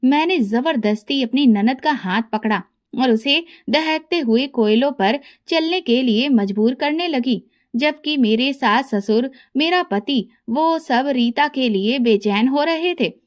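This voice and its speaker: Brief: woman storyteller, high voice, steady dramatic first-person narration. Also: unhurried.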